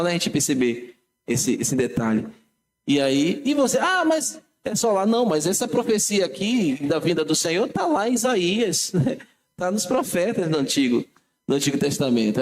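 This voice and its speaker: A man with a Brazilian Portuguese accent, a pastor teaching a Bible class in church, talking conversationally and correcting himself as he goes. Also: a little high. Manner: conversational, self-correcting, addresses congregation directly.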